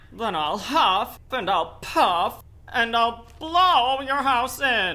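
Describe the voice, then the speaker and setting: Over light background noise, a man puts on a character voice at an extremely high pitch, speaking at a very slow pace. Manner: sly, gleeful.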